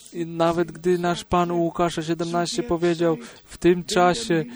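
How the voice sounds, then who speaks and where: A man speaks at a very slow pace in a high voice. Noticeable background noise runs under the clip. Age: 70s. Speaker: preacher. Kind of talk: sermon.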